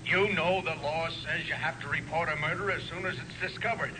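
An actor playing a gruff, blustery police officer with a gravelly voice in a 1940s radio crime drama. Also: male voice, on the high side, fairly even intonation, fairly quick, natural voice. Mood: exasperated. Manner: blustery, slangy, sputtering. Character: gruff, exasperated male police officer on the telephone. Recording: noisy old radio recording, telephone scene.

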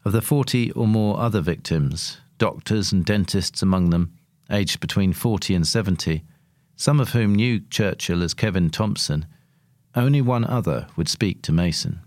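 Guy reading a serious article out loud, low voice, really dry close sound. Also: moderate pace, no echo. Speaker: narrator reading a long-form article. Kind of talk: scripted narration.

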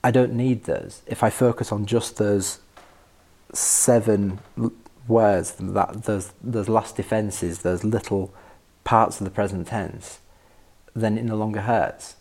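A man speaking as a podcast guest in reflective personal conversation, thoughtful and halting as he searches for words. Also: on the low side, fairly even intonation, a little mellow. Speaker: podcast guest discussing a favourite poem.

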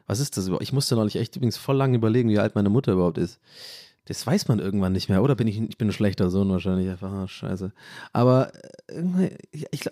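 A German-accented podcast host in his thirties who chats casually, drifting off track and laughing at himself. His voice sits at a middling pitch. The recording is dry and close, with no room sound. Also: warm tone, no room sound. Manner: rambling, loses his train of thought, self-mocking. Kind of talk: casual rambling chat.

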